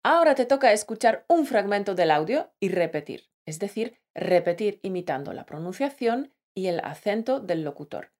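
A woman co-hosts a scripted language lesson. She talks to the listener in a playful, affectionate way, at a middling pitch. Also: big pitch swings, moderate pace, hardly any pauses, a little mellow. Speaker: podcast co-host, Spanish teacher. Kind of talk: scripted teaching podcast.

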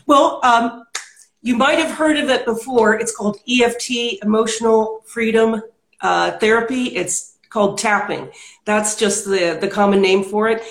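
A woman's voice: fairly high pitch, normal speed. A woman who is a podcast guest and hypnotist, explaining a technique step by step in an earnest, methodical way. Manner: earnest, walks through steps methodically. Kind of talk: explanatory interview talk. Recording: roomy echo.

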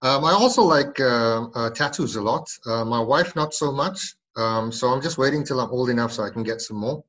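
A man's voice: medium pitch, normal speed, a bit bright. A man in his forties from South Africa, a podcast guest chatting casually, jokey and often laughing, with plenty of ums. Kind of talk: casual interview chat.

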